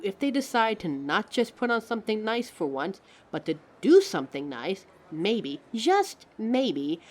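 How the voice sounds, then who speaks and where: A woman voicing a living fashion mannequin in a scripted audio roleplay, haughty yet encouraging, with a dramatic, articulate delivery aimed straight at the listener. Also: fairly low pitch. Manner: theatrical, dramatic, articulate, addresses listener as darling.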